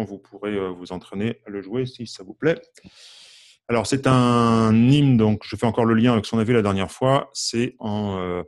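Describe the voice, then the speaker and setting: A man's voice: fairly low pitch, no room sound, studio quality. A man teaching an online music lesson, patiently explaining notes and answering viewers' questions, with many restarts and fillers.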